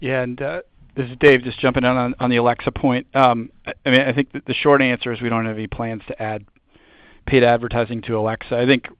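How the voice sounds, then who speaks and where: A man speaking as a company executive on an earnings call, informal and halting as he answers. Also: mid-range voice, level tone, smooth, no echo. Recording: muffled conference call audio.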